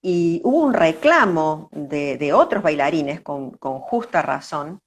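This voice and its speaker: An older woman with an Argentine accent reminisces in a conversational interview, reflective, pausing and repeating words. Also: low-pitched, very animated. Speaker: interview guest, dancer.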